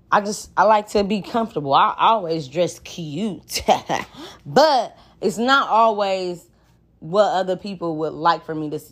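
Black american accent woman, kinda low voice, blunt casual podcast rant style, slangy and sweary. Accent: African American. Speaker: podcast host. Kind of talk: candid casual monologue.

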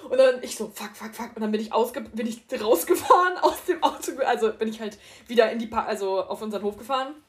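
A young woman co-hosting a podcast, animated and often laughing as she tells a story in casual chat. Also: on the high side. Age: young adult. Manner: animated, laughing, quick bursts. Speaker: podcast co-host.

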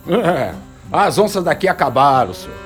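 A man's voice: fairly high pitch, sing-song, moderate pace, soft background music. An actor playing a cranky, swaggering, foul-mouthed gunman in a radio drama, with a rural northern Minas Gerais accent. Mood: grumbling. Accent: rural northern Minas Gerais Brazilian. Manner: grumbling, colloquial, cursing.

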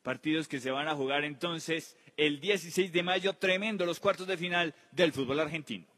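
A man's voice: a little high, normal speed, pushed and bright. A man presenting an international football news round-up, with emphatic delivery and stretched words. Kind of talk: sports news round-up narration. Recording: long reverb on the voice.

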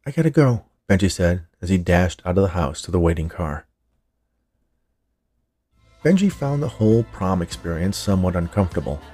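A man narrating scripted fiction as a storyteller, in a measured, clearly phrased way. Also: sits low, mellow, soft background music. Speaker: writer, narrator and podcast producer.

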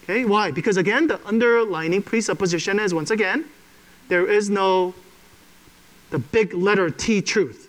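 In this rough-sounding recording, a pastor with a high-pitched voice preaches a sermon to his congregation at a normal speed. His manner is conversational, and he often checks in with "okay?".

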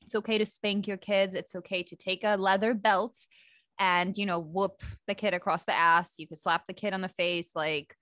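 A woman's voice: medium pitch, steady tone, moderate pace, a bit bright, dry recording. A young woman from Poland co-hosting a podcast, chatting casually and giggling often. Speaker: podcast co-host. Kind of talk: casual chat.

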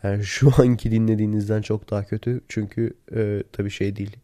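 A man hosts a casual solo podcast while sick and worn out. His hoarse voice is mellow and dark, with little melodic movement. He is recorded close and dry, talking informally to his listeners. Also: on the low side, flat delivery, quick pace, no echo. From Turkey. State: sick and tired, lost voice. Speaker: podcast host. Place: in bed at home. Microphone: handheld voice recorder, close.

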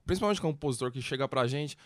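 A man co-hosting an interview, reacting in an excitable, emphatic way. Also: medium pitch, quick pace, dry recording, studio quality. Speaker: interview co-host. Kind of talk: podcast chat.

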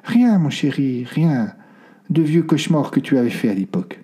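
A man reading aloud and voicing a worried, secretive older grandmother who speaks in a soft, hesitant way. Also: mid-range voice, lively intonation, normal speed, lightly acted. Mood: evasive.

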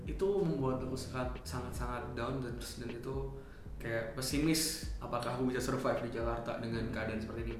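A man's voice: medium pitch, steady tone, fairly quick, noisy background. A young man from Yogyakarta, a podcast guest, talking in an earnest, confiding way and often repeating himself. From Yogyakarta, Indonesia. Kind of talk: casual podcast chat. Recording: very echoey room with faint ambience.

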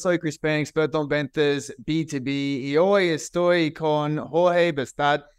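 Energetic male podcast host, clear resonant voice, dry booth sound. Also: a little high, dry recording. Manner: energetic, asks long questions with fillers. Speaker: podcast host, sales expert. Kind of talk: upbeat podcast interview.

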